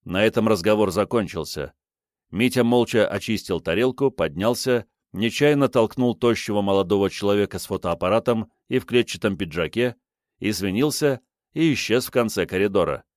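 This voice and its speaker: A male audiobook narrator reading a novel in a measured, even storytelling manner, his voice low and steady. He is recorded on a close studio mic, dry and free of any room sound. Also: no echo. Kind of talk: scripted narration.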